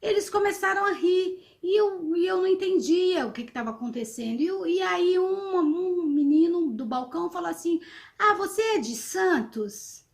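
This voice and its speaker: High-voiced hesitant woman. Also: normal speed, vocal fry. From São Vicente, Brazil. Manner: hesitant, many fillers and restarts. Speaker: interviewee, teacher. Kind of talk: explanatory talk to students.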